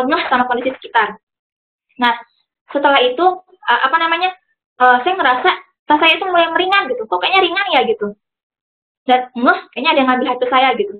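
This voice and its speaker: A young woman with a high voice gives a religious talk in a loose, storytelling way. She fills her speech with hesitations and slips in English phrases now and then. The sound is thin and tinny, as if it came over a phone line. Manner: chatty, personal storytelling with many fillers. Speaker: speaker.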